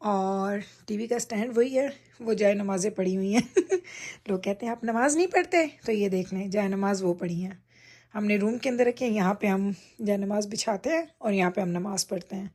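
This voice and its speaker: A woman's voice: medium pitch, moderate pace, darkish tone. A woman chatting casually to her viewers as she gives a tour of her bedroom at night, speaking into a handheld phone. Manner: chatty, addresses viewers directly while showing things. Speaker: vlogger giving a room tour. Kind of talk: casual home vlog talk. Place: home bedroom at night, indoors.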